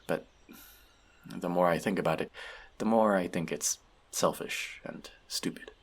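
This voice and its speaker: A man's voice: low voice, measured pace. A man playing an earnest, bookish elf outcast in an audio roleplay, confiding in a friend in a hesitant, self-doubting way. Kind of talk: scripted audio roleplay addressed to the listener.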